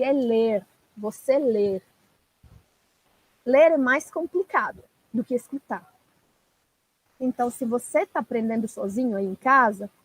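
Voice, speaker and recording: Encouraging woman teacher, husky. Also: a little high, no room sound, poor audio. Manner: encouraging, direct and repetitive advice. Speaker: language teacher. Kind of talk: live-stream coaching talk.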